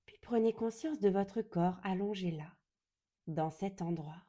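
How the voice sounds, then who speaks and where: Slow, very mellow woman guiding meditation. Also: mid-range voice. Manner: calm, gentle, soothing, deliberate with long pauses. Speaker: yoga nidra guide.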